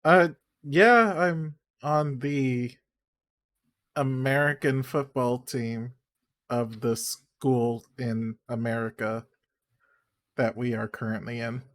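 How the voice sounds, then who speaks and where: A man's voice: mid-range voice, steady tone, takes it slowly. A man playing a tabletop game in character, hesitant and stammering. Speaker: player.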